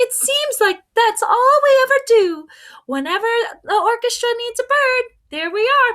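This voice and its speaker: In a put-on character voice, a woman speaks at a moderate pace with an extremely high, squeaky pitch and lively intonation. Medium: read story. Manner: flighty, giggly.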